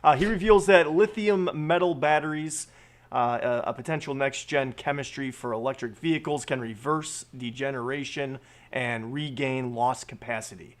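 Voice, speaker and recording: Male stream host, mid-pitched, reads articles aloud with halting fillers and restarts. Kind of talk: reading and discussing news articles.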